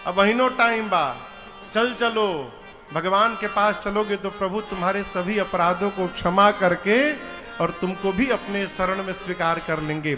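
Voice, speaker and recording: A man voicing a calm, clever monkey god messenger in a devotional story, teasing and sometimes hushed. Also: sits high, a little slow, long reverb tail, over music. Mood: coaxing.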